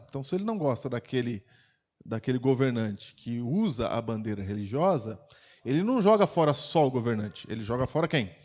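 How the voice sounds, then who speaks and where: A man with a Brazilian Portuguese accent, preaching a sermon as pastor in a conversational way, full of rhetorical questions and sharp swings between quiet and loud. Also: medium pitch. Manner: loudness rises and falls sharply. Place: church.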